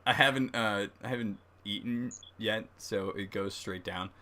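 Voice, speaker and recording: A man hosting a casual livestream tasting review, speaking haltingly as he thinks aloud. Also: fairly low pitch, bright, forceful tone. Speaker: host of a beer review livestream. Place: livestream, speaking beside a laptop.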